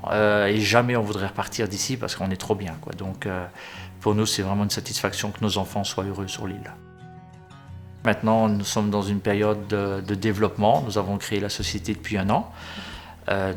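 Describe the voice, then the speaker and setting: Earnest low-voiced man in his forties. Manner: earnest, hesitant with frequent pauses. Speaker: business owner. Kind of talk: testimonial interview.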